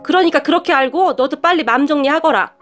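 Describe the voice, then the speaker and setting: A woman's voice: high-pitched, fast, soft background music. A woman voicing a scornful middle-aged mother. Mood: scolding. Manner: sharp, scolding, talks down.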